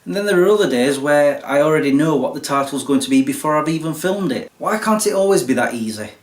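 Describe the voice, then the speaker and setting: A man's voice: a little high, expressive, fast talker. Chatty young man, roomy echo. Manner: chatty, self-deprecating, explains step by step. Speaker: YouTube creator. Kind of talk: casual behind-the-scenes explanation.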